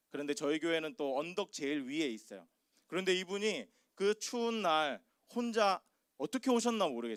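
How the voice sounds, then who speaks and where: A man's voice swings very widely in pitch. The recording sounds dry and close, with no echo at all. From rural Korea. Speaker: pastor. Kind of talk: sermon. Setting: church.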